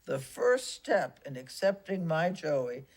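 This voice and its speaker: An older woman playing a blunt, mischievous grandmother ghost who gives deadpan orders in a broad sitcom style. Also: deep voice, slow pace, exaggerated voice. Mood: bossy, deadpan. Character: bossy, mischievous ghost of an old Italian-family grandmother.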